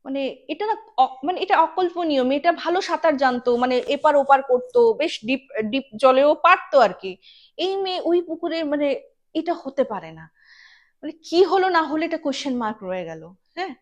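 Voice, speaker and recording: A woman with a notably high-pitched voice recounts a haunting incident as if talking to a friend. She rambles conversationally, leaning on fillers and slipping English words into her sentences. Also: lively intonation, moderate pace. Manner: chatty, full of fillers, mixes English words into speech. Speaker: storyteller recounting a true ghost incident. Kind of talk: casual conversational horror storytelling.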